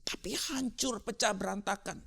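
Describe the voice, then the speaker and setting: Guy preaching a sermon, high forceful voice, really emphatic and repeats stuff for effect. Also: moderate pace, creaky, slightly rough. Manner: rhetorical, emphatic repetition with dramatic rises and drops in delivery.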